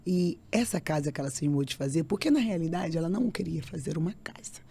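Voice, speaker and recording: A woman's voice: deep voice, quick pace, creaky, warm tone, slightly rough. A woman, a podcast guest giving an emotional faith testimony, repeating phrases and acting out other people's voices.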